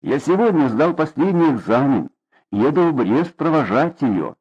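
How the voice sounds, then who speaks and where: A man's voice: on the high side, big pitch swings, moderate pace, darkish tone, breathy edge. A man voicing a stubborn young man in love, answering curtly, on a dull lo-fi recording. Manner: curt, stubborn.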